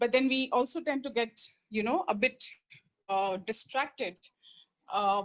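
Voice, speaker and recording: A woman with a high pitch talks at a fairly slow pace. Her intonation is lively, broken by long, frequent pauses. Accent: Indian. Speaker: lawyer. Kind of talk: casual chat. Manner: halting, many fillers.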